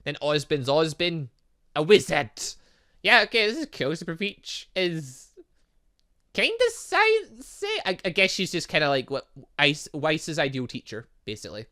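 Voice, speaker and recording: A man doing casual, rambling and excitable commentary as he plays a story game and reads its text aloud. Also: fairly high pitch, a little slow. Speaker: gaming channel host.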